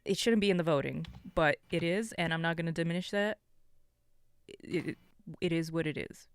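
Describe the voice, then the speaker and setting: A woman's voice: fairly low pitch, normal speed, smooth. A woman chatting casually and bluntly as a panelist on a gaming show. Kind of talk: casual chat.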